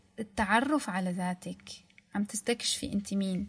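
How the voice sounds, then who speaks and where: A woman's somewhat breathy voice with a Syrian accent, at a very slow pace and with ordinary pitch variation. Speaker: podcast host. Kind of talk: scripted monologue.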